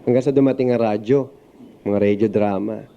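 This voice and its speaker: A man's voice: lowish voice, fairly even intonation, normal speed, gravelly, dark tone, lo-fi sound, a little hiss or hum. A Filipino-accented man, a voice talent, talking informally in an interview. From Philippines. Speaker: voice talent and company owner.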